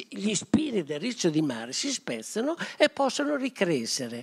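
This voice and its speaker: A man talks at a fairly slow pace with very wide pitch swings against a quiet background. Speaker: chemistry professor and company CEO; chemistry professor. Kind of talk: panel discussion, storytelling. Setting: stage in a theatre foyer with audience. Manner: animated. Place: stage. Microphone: handheld.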